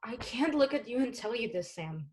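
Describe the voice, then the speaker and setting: A woman's voice: on the high side, animated, moderate pace, darkish tone, natural voice. A woman playing an imploring, manipulative femme fatale in a melodramatic 1940s-style noir radio play. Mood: anxious pleading.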